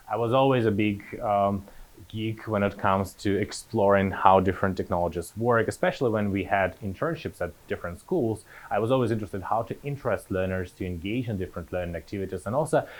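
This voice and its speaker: A man in his thirties with a somewhat low voice gives an academic talk as a postdoctoral researcher. He speaks haltingly, with frequent fillers and restarts. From Kazakhstan. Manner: hesitant, many fillers and restarts.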